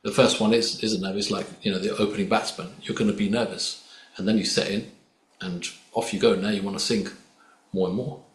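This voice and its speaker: A man's voice: fairly low pitch, steady tone, fairly quick. A man, a singer guest on a podcast, talking easily and thoughtfully in a casual conversation. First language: not Hindi or Urdu. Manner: reflective, easygoing, uses sports comparisons. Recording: echoey room with faint ambient noise.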